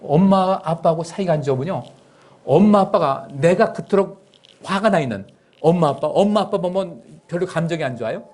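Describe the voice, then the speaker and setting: A middle-aged man preaching a sermon as pastor. He swings between soft, low asides and sudden high, raised outbursts, and acts out parents' words in a gentle coaxing tone. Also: expressive, brisk.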